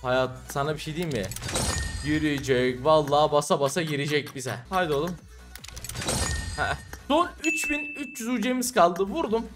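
A young man groans and curses his way through casual mobile gaming commentary. His pitch swoops widely from line to line. Clear music plays underneath his voice. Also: animated, normal speed. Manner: exasperated, cursing, groaning at bad luck. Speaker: mobile game streamer.

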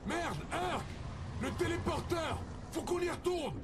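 A man's voice: very high-pitched, lively intonation, unhurried, gravelly, noisy background, full character voice. An actor playing a blunt, exasperated, pushy male sidekick in a French-dubbed video game. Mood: urgent. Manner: pushy, slangy, swearing.

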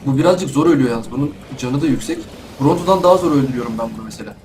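A man's voice: medium pitch, rapid-fire, darkish tone, a little hiss or hum. Chatty young man doing game commentary. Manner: chatty, talks to himself and the animals. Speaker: gaming YouTuber. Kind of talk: casual let's play commentary.

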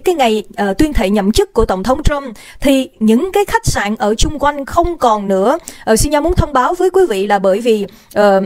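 A woman with a high-pitched voice hosts a casual livestream, recorded dry on a desk microphone. She's chatty and bubbly, greeting viewers by name and mixing in English phrases.

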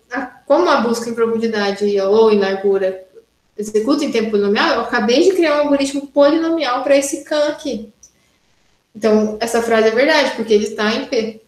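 A woman university lecturer teaches an online class, explaining exercises step by step and checking in with students often through "né?" and "tá?" Her voice is fairly high, and the recording is rough and reverberant.

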